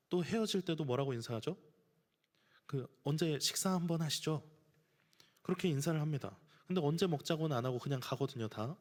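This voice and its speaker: A man's voice: fairly high pitch, a little mellow. A man preaching a sermon as pastor, earnest, sometimes acting out everyday scenes. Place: church sanctuary. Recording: church hall reverb.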